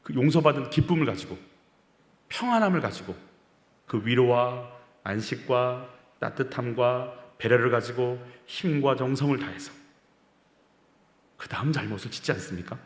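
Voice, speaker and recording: A man's voice: medium pitch, expressive, moderate pace. Impassioned male pastor in an echoey hall. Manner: impassioned, swinging between loud outbursts and quiet murmurs; asks the congregation rhetorical questions. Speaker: senior pastor. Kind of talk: sermon at a Friday prayer meeting. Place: church sanctuary. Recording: echoey church hall reverb.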